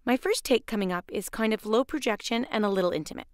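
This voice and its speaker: A woman's voice: mid-range voice, fast, darkish tone, no room sound. A woman voice actor narrating sample readings recorded in a home studio.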